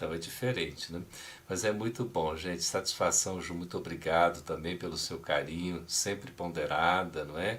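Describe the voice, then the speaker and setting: With a very deep, low pitch, a man speaks at a moderate pace. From interior of São Paulo state, Brazil. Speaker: spiritist study presenter. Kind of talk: closing remarks of an online study session.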